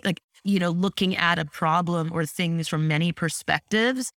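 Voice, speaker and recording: A woman's voice: low-pitched, dry recording. Chatty woman guest, a dry close voice. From Canada. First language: French. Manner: animated, chatty, many fillers like "like" and "you know". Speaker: entrepreneur guest. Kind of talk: casual podcast interview.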